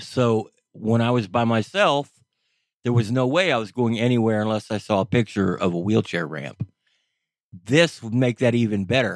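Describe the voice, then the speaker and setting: Lively in intonation, this man has a normal speaking voice, medium in pitch and moderate in pace. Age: middle-aged. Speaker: tech writer. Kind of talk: casual chat.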